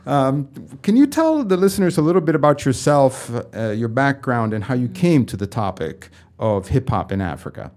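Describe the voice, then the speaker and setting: Measured male podcast host. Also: medium pitch, very animated, darkish tone. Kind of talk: scripted introduction and interview questions.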